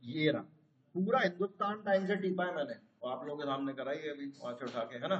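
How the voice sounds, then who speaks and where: A man's voice: on the high side, fast talker, roomy sound, muffled recording. A man teaching a live online class, explaining step by step and asking his students questions.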